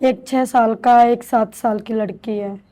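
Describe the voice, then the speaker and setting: A woman in her thirties slowly recounting her own story with halting restarts, as an interviewee in a shelter home. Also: fairly high pitch, steady tone, warm tone. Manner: halting, slow, hesitant with restarts. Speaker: interviewee, domestic violence survivor. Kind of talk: emotional personal testimony.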